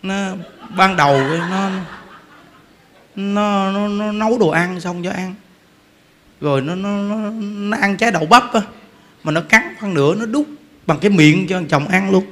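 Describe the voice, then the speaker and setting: A man with a Southern Vietnamese accent giving a humorous Buddhist sermon, telling a story with lively repetition and frequent laughter. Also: sits high, measured pace, pauses often. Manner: animated storytelling, repeats words, laughs often. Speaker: Buddhist preacher. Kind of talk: humorous dharma talk.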